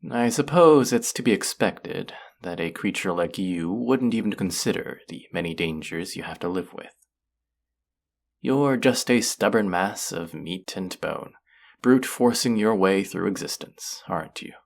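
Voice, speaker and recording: A haughty alien buyer from a sci-fi audio drama, voiced by an actor, very low and gravelly. The delivery is condescending and amused, with theatrical swoops in pitch as it addresses a lesser creature. Every phrase is deliberate and cultured. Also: animated, full character voice. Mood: scornful amusement. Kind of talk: audio roleplay acting addressed to the listener.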